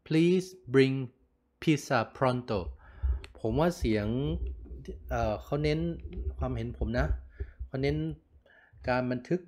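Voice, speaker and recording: A man's voice: medium pitch, unhurried, a little mellow. A man giving a casual product review. He talks in a loose, chatty way, repeats himself, and speaks into a small USB condenser mic on a desk in an indoor room. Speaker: gadget reviewer.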